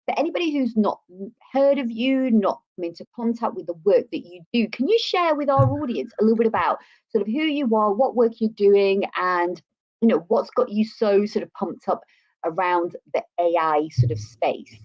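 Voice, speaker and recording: A woman's voice: mid-range voice, animated, normal speed, highs cut off. A woman co-hosting a live show in a chatty, effusive way, repeating words for emphasis. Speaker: show co-host.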